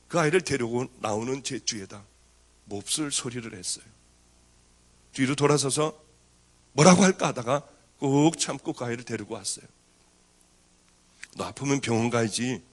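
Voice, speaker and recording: A middle-aged man, a pastor, giving a testimony as a story and acting out the people in it. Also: mid-range voice. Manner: storytelling, acting out quoted speech. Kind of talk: testimony sermon.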